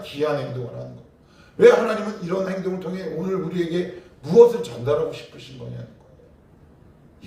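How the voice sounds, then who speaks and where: A man's voice: on the high side, mellow. A male pastor preaching at a morning prayer meeting, acting out cries to God. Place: church sanctuary. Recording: very echoey hall, distant mic.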